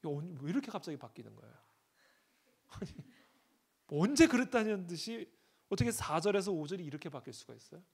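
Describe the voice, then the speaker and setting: A middle-aged man preaching a sermon as pastor, swinging from hushed asides to shouted scripture readings. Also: high voice, big pitch swings, a little fast, gravelly, long pauses, breathy edge.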